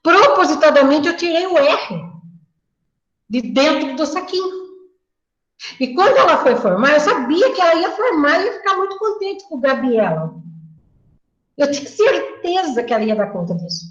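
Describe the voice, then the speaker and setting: Brief: woman teacher, fairly high voice, lively talk, echoey lo-fi room. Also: normal speed, long pauses. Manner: lively, acts out classroom dialogue.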